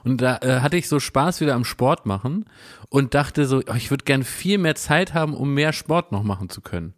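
A man's voice: mid-range voice, animated, normal speed. A man co-hosting a podcast in casual chat, making dry jokes and laughing often. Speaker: podcast co-host.

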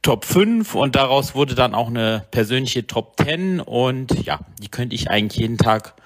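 A man of thirty-three records a message as a devoted listener. His pitch is average for a man. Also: lively intonation, normal speed. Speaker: podcast listener, fan. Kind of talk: spoken fan voice message.

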